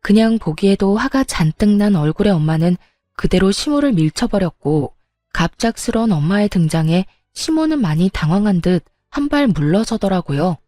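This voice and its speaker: A woman narrating a first-person family story with steady storytelling. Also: medium pitch, moderate pace, no room sound, studio quality.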